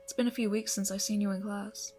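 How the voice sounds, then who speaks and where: Actress as calm, encouraging female yoga teacher for ASMR roleplay; soft, near-whispered guidance, medium pitch, light music underneath. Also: a little fast, lightly acted. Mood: friendly, welcoming. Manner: soothing, breathy instructions, often softening toward a whisper. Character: gentle, encouraging female yoga instructor leading a morning class. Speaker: yoga instructor.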